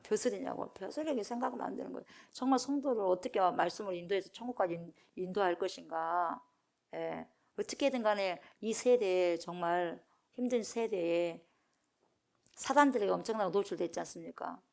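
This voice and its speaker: A woman's voice: medium pitch, brisk, vocal fry, darkish tone. A middle-aged woman preaches at an early-morning prayer service. She drives her points home by repeating key words. She keeps turning to the congregation with questions, and her voice sits in an ordinary middle range. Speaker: pastor.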